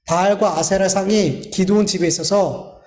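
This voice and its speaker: A man whose voice sits high, with a darkish tone, fairly even intonation and a moderate pace, preaches as a pastor in a church sanctuary. Earnest and pleading, he keeps turning to address the congregation, and the hall sounds echoey.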